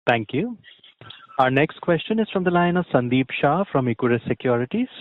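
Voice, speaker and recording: A man's voice: medium pitch, sing-song, a little fast, a little hiss or hum. A man moderating a conference call in a formal operator style. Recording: narrow phone-line audio.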